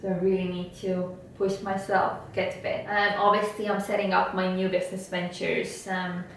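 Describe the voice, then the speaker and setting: A woman's voice: fairly low pitch, moderate pace. A woman whose first language is Estonian, speaking earnestly and motivationally as an interview guest. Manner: earnest, motivational, steady and even. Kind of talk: interview conversation. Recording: echoey room, from a distance, faint noise.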